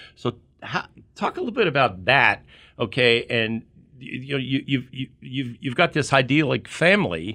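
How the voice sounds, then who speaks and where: A man's bright, sharp voice with vocal fry and lively intonation in a very clean recording with a silent background. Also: medium pitch for a man, moderate pace. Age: 70s. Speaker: radio talk show host. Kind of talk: radio interview. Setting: studio.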